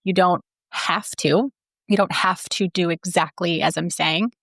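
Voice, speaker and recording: Woman host, lowish slightly raspy voice, loose rambling delivery, dry close recording. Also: steady tone, measured pace, a bit bright, no room sound. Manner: chatty, rambling, swears freely. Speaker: podcast host and personal trainer. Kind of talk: casual solo podcast talk.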